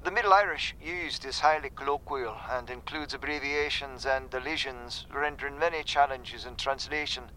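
Scholarly man reading translation notes, measured and academic, bright and crisp , played by a man. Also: medium pitch, slight background noise, lightly acted, low-quality recording. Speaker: translator's commentary reader. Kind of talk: document reading in audio drama.

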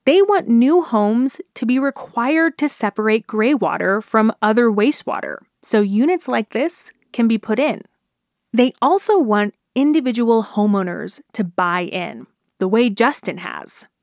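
A woman reporter narrating a radio news feature in a clear, steady way. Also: on the high side, unhurried, dry recording, studio quality.

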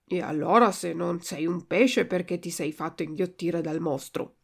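A woman's voice: fairly low pitch, steady tone, moderate pace, creaky. A woman voicing a resigned, philosophical male tuna with a cracked voice in a storybook reading. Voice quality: cracked, like an untuned guitar.

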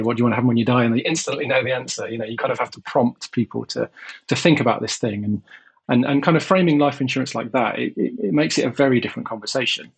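A man speaking as a guest in a podcast interview, measured and repeating words as he thinks. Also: mid-range voice, gravelly, breathy edge. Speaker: guest, insurance company executive.

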